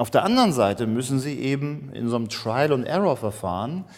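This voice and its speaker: A man speaks at a medium pitch and a moderate pace. It is a normal speaking voice. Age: 50s. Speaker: marketing professor. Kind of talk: interview. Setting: on location at a university by the harbour.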